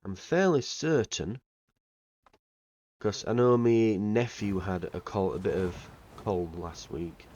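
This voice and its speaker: A man's voice: on the low side, slow pace, a little mellow, highs cut off. A man with a slightly nasal voice from a cold, giving casual, rambling commentary while playing a video game. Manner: chatty, rambling, with fillers. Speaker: let's play host.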